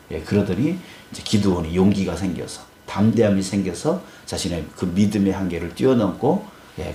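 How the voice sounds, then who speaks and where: Male pastor, fairly low voice, chatty early-morning sermon with lots of filler affirmations, roomy church sound. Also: slight background noise. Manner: conversational preaching, frequent affirming "yes" fillers; acts out scripture dialogue in lively voices. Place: church sanctuary.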